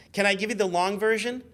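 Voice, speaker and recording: A man in his fifties chatting casually as a guest, telling animated, rambling, sweary anecdotes as a car journalist. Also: sits high. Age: 50s.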